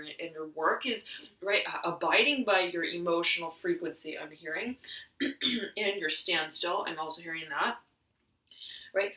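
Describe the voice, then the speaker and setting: A woman giving a tarot reading, slightly hoarse and often clearing her throat. She meanders through restarts and fillers and keeps saying "I'm hearing.". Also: medium pitch, pushed and bright, reverberant, distant mic, rough recording. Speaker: tarot reader. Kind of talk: spiritual reading to camera.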